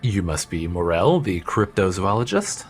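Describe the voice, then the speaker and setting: A man's voice: low voice, very animated, moderate pace, slight background noise. A man hosting a let's play, reading dialogue aloud and joking around in a rambling, self-interrupting way. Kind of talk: casual game commentary and reading dialogue.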